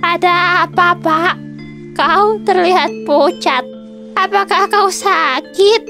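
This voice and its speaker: A gentle, caring old wife from a cartoon fairy tale. She speaks softly and slowly in a very high, childlike pitch, with faint children's music playing behind. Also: gravelly, exaggerated voice.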